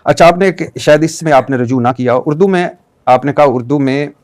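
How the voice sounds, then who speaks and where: A man's voice: a little high, brisk, a little mellow. A man, interviewing a guest and pressing him politely but persistently with challenging questions.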